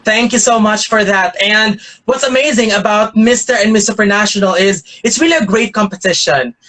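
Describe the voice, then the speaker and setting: High-voiced enthusiastic male interviewer. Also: brisk, sharp tone. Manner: enthusiastic, effusive thanks and praise. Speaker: host, interviewer. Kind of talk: pageant interview. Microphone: video call.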